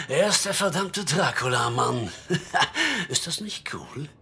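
An actor in a German radio play playing a menacing, mocking gang boss with a theatrical, drawn-out delivery. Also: male voice, on the high side, sing-song, creaky, pushed and bright, slightly rough, heavily acted. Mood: gleeful, menacing. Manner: theatrical, slow, drawn-out taunting with chuckles.

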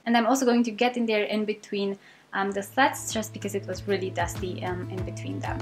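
A woman's voice: mid-range voice, fairly even intonation, a little fast, music in the background. A young woman with a British accent narrating her cleaning routine in a casual, upbeat voice-over, with frequent ums. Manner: chatty, upbeat, many ums. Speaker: cleaning vlogger.

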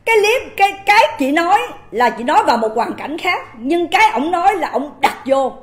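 A woman's voice: high voice, big pitch swings, a little fast. A woman with a Southern Vietnamese accent giving an impassioned livestream monologue, indignant and emphatic, firing rhetorical questions at her viewers. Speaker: livestream host. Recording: roomy echoing room.

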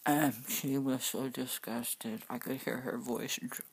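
A middle-aged woman telling a rambling story in a soft whisper while she eats between sentences. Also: extremely low pitch, fairly even intonation, slow, husky. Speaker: vlogger.

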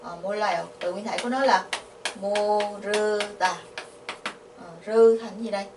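Vietnamese-accented woman, patient grammar teacher, roomy distant sound with faint hiss. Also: mid-range voice. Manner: patient, asks the class questions, repeats syllables slowly. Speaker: Korean language teacher. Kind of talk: explaining grammar. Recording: echoey, from a distance, faint noise.

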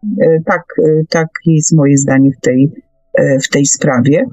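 A woman hosting an unscripted radio discussion, giving her views in a halting but emphatic way. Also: low voice, fairly even intonation, darkish tone, no room sound, soft background music. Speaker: radio host. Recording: dull, lo-fi radio call audio.

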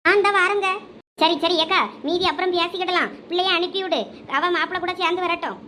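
A woman's voice: extremely high pitch, fairly even intonation, a little fast, pushed and bright, a little hiss or hum. A woman with a Thoothukudi Tamil accent performing village family comedy drama dialogue, chatty, scolding and coaxing.

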